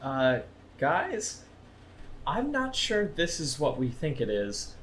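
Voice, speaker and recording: A man's voice: on the high side, wildly swooping pitch, slow, a bit bright, a little hiss or hum, heavily acted. A man playing a thoughtful monster investigator in an audio drama, explaining things in a tentative way. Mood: tentative, intrigued. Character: Reese, thoughtful, well-informed male monster investigator. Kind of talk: naturalistic audio drama dialogue.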